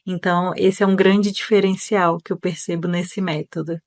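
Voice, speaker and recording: A Brazilian woman gives a calm, measured testimonial as a student. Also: lowish voice.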